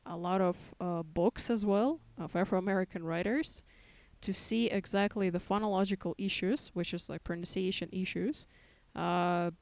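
Russian woman teacher chatting as guest, low-ish voice, thoughtful, laughs a lot. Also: fairly even intonation, a little mellow, no echo. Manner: modest, laughs often, thoughtful pauses. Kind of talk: casual interview chat.

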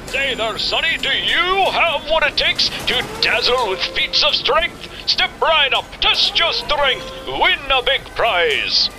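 Casting: brash mechanical fairground barker, very high, wildly animated pitch, showy old-time patter. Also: male voice, takes it slowly, few pauses, heavily acted, poor audio. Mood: showy, hawking. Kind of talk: showy carnival patter in audio drama. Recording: music under the voice.

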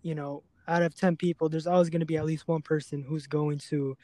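A man hosting a serious podcast conversation, speaking earnestly and haltingly, often repeating words as he goes. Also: fairly high pitch, level tone, mellow, no room sound. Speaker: podcast host.

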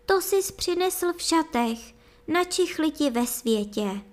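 Sorrowful young princess, voiced by a woman, raised high, soft and imploring. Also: lively intonation. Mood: calm soothing. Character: young captive princess, pale, sorrowful, gentle.

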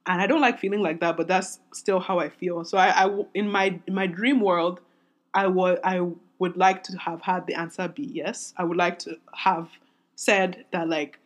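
A woman in her twenties hosting a solo podcast, talking in a candid, rambling way with many restarts, her voice raspy and strained from singing. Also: lowish voice, fairly even intonation, normal speed. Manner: rambling, self-interrupting, candid. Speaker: podcast host.

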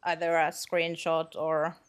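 A woman's voice: low voice, monotone, slow, clear, resonant tone. A Finnish woman, a native Finnish speaker, chatting casually as a podcast guest and laughing easily between phrases. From Finland. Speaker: guild master guest.

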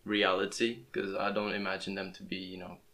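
A young man whose first language is Portuguese talks casually into his podcast microphone. His voice sits low and stays flat, and he often stumbles and restarts his words as he goes. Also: a little fast. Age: young adult. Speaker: podcast host. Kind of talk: casual interview chat. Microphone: plugged-in podcast microphone.

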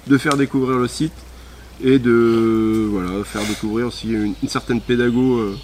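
A man's voice: mid-range voice, steady tone, moderate pace, a little mellow, slight background noise. A man who leads a volunteer sports group, answering interview questions outdoors in a hesitant way with frequent fillers. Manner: hesitant, many "euh" fillers. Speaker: volunteer sports association president. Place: outdoors at a rural hamlet.

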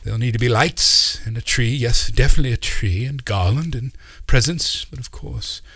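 A man putting on a fussy, excitable old uncle. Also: mid-range voice, moderate pace, dry recording, voice pushed up. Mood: excited. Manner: fussy, rambling, theatrical. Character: eccentric excitable old uncle, male, whimsical.

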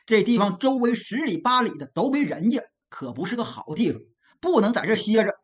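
A woman's voice: mid-range voice, sing-song, brisk, natural voice. A woman voicing a stern, hot-tempered male escort officer who barks and scolds as he gives orders.

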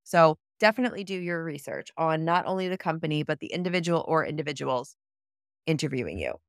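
A woman giving career advice as a vlog host, speaking in an upbeat, tidy, organized way with a clear, smooth voice. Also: low-pitched, lively intonation, fast talker, no room sound, clean studio sound. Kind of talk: scripted-sounding advice vlog to listeners.

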